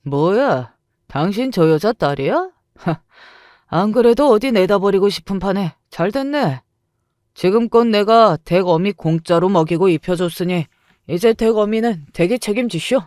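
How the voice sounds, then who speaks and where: A woman's voice: medium pitch, lively intonation, a little slow, darkish tone, no echo, lightly acted. A woman voicing a brutish middle-aged stepfather who mocks his stepdaughter and then begs her forgiveness, in a dry, close recording. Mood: sneering. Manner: mocking, then pleading and fawning.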